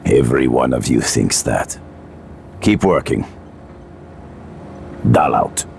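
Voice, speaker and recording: An actor playing a cold, ruthless male mercenary commander in a video game, speaking in a clipped, menacing way with a gravelly voice. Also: very deep voice, animated, slow, a little mellow, slight background noise, heavily acted. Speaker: hired mercenary.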